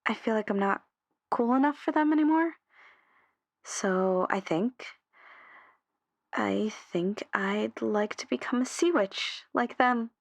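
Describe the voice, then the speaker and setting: A woman's voice: fairly high pitch, slow pace, vocal fry, pauses often, no room sound, dull audio. A woman playing an insecure, self-doubting caller on a radio drama phone-in, hesitant and downcast in manner. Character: insecure, self-doubting female scuba instructor calling radio. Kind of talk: scripted audio drama phone-in.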